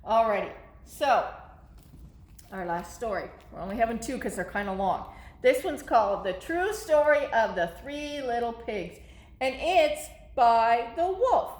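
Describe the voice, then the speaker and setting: A woman's voice: a little high, lively intonation, measured pace, a little mellow, reverberant. A middle-aged woman presenting a children's story time, speaking directly to young listeners with questions. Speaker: library story time host.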